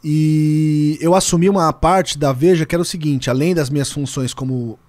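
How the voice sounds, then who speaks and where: A Brazilian man in his thirties, a sports journalist guest on a podcast, telling stories in a lively, casual way and swearing freely. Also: a little high, moderate pace. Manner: lively storyteller, swears casually, acts out dialogue.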